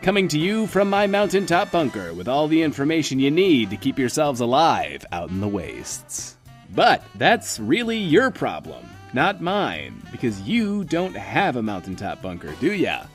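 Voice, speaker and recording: Cocky wasteland radio host, sardonic, boastful, swooping animated pitch, comedy drama, faint music behind. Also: male voice, normal speed. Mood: smug, gleeful. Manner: showy, sardonic, mock-boastful patter. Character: cocky, self-absorbed male post-apocalyptic bunker radio host.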